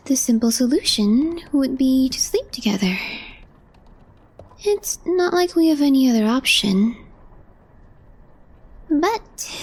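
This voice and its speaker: Soft, breathy, high-voiced deadpan young coworker woman acting. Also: exaggerated voice, rough recording. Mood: deadpan teasing. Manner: cool, matter-of-fact, gently teasing. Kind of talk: soft ASMR role play addressed to the listener.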